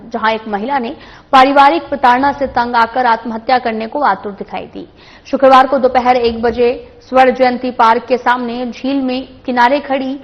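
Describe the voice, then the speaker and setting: A woman anchor reading a regional news bulletin in a steady, formal manner with small slips. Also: a little high, highs cut off.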